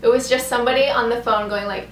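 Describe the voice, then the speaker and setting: Young woman, high voice, chatty rambling storytime, lots of "like", echoey room. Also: steady tone, fast talker. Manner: rambling, heavy use of "like". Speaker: vlogger telling a story. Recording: echoey room with background noise.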